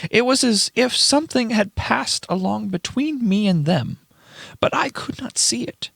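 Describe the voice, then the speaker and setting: A man playing a frantic, paranoid old grandfather reading his diary aloud in a theatrical, halting horror radio-play style. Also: a little high, gravelly, sharp tone, dry recording, exaggerated voice. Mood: uneasy, hushed. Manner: theatrical, halting, emphatic delivery.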